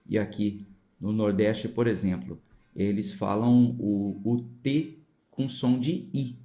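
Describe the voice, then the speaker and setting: A man's voice: lowish voice, steady tone, takes it slowly, mellow. A man from São Paulo with a São Paulo accent, a pastor reading the Bible aloud and explaining it in a conversational way with informal asides to his viewers. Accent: São Paulo Portuguese. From São Paulo, Brazil.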